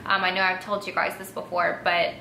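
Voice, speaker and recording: A woman's voice: lowish voice, completely flat delivery, fairly quick, pushed and bright. A young woman from Texas with an American accent, chatting casually as a vlogger answering viewer assumptions. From Texas, United States. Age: young adult. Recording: echoey room with faint background noise.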